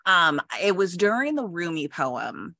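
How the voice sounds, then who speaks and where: A woman's voice: lowish voice, big pitch swings, unhurried, creaky, sharp tone, no room sound. A woman podcast host talking casually and reflectively, emphatically repeating phrases to drive a point home.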